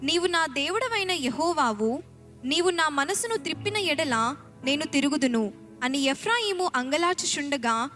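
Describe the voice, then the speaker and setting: A woman reading Bible verses aloud during a sermon, in a steady and formal recitation. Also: sits high, moderate pace, faint music behind. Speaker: scripture reader.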